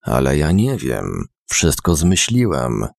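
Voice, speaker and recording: A man's voice: very deep voice, huge pitch swings, slow, vocal fry, a little mellow, dry recording, studio quality, full character voice. A man voicing a frightened young man with spikes, confessing nervously in a storybook reading.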